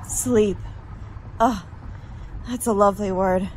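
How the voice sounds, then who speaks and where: A woman's voice: medium pitch, fairly even intonation, slow pace, slight background noise, natural voice, poor audio. A woman playing a tired, grumbling young college student in an old-time radio drama, with fretful, wordy delivery. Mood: dreamy.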